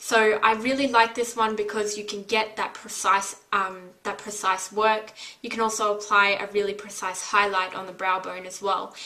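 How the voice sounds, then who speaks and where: Speech comes at a moderate pace in a flat monotone. Background noise is noticeable. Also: woman, medium pitch for a woman. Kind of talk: beauty product review to camera. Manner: casual, hesitant with fillers.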